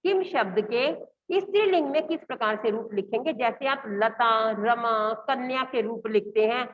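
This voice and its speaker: A woman teacher with a fairly high voice leads a recorded lesson. She speaks to her pupils fondly as "beta" and steps through grammar forms one at a time. The recording is dull and lo-fi. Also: normal speed, slight background noise. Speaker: school Sanskrit teacher.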